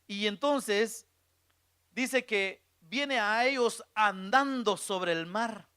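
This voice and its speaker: High, bright-voiced male preacher. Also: drawn-out words, smooth, dry recording, clean studio sound. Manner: dramatic storytelling, drops to a hush then swells. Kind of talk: sermon.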